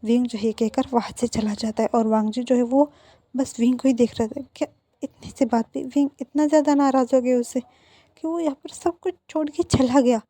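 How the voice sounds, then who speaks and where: Soft-voiced woman narrating a story. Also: high-pitched, fairly even intonation, moderate pace, dry recording. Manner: reads all characters' lines herself, emotional. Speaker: fan fiction narrator. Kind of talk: storytelling narration with acted dialogue.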